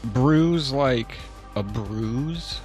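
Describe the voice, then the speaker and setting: A man's voice: mid-range voice, expressive, drawn-out words, a little mellow. Casting: male tabletop player, offhand and slightly hesitant improvised dialogue, prominent music bed. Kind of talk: casual improvised game dialogue.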